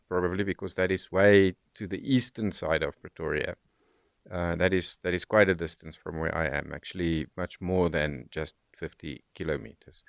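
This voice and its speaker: A South African man giving an unscripted, explanatory product review and demonstration in a measured way. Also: low-pitched, no echo. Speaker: radio reviewer.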